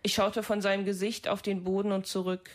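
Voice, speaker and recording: Woman reading prose aloud, flat monotone, restrained and measured. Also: medium pitch. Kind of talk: literary reading.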